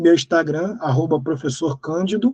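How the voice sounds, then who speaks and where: The speaker has a Rio de Janeiro accent. The intonation is lively. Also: man, dry, close sound with no echo. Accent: carioca. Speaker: teacher. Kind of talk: lecture.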